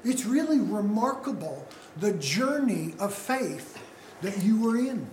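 Slow-speaking male pastor in an echoey church. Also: sits high, very animated, a little mellow, a little hiss or hum. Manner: unhurried, asks the congregation questions. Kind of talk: sermon.

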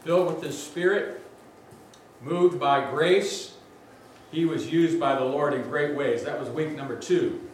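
A man's voice: a little high, unhurried, a little hiss or hum. Big-voiced man preaching in an echoing church. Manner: energetic, conversational preaching with asides. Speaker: guest preacher. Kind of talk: sermon. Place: large church sanctuary. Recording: very echoey church from a distance.

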